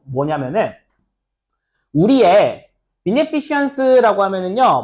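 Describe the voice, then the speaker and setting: A man teaching English test passages in a chatty, informal lecture. His voice sits high and swings widely in pitch. He keeps checking in with his students and slips into little acted-out scenes to make a point. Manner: chatty, asks students "right?" often, acts out little skits. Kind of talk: lecture explaining an exam passage.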